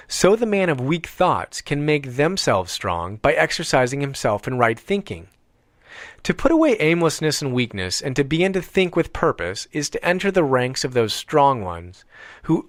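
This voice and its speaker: A man reading an audiobook in a deliberate, measured way with emphatic pauses. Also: mid-range voice, no echo, clean studio sound. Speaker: audiobook reader. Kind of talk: scripted audiobook narration.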